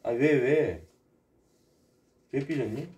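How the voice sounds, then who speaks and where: On a casual chat stream, a man pleads and asks the same questions over and over. His medium-pitched voice is expressive and a little mellow, and he speaks extremely slowly. The mic sounds distant.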